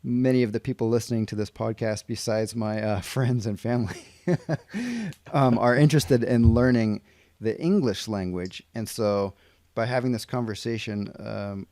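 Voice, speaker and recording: A man's voice: fairly low pitch, fairly even intonation, normal speed, warm tone, no room sound. An American man hosts a casual podcast interview, restating his guest's points and working in plenty of "um"s. The sound is dry and close, with no room around it. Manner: friendly, recaps answers, many fillers. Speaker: podcast host.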